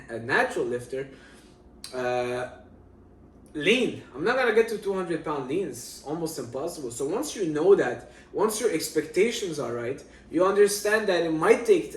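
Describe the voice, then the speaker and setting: A man from Syria in his thirties, giving fitness advice in casual talk to camera and repeating his key points. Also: a little high. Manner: emphatic, repeats key points, addresses viewers as guys. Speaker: fitness vlogger. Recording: roomy, distant from the mic.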